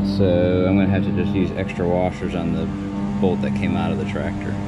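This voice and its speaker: A man's voice against loud background noise. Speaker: father doing tractor repair. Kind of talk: tutorial. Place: farm machine. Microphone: phone near.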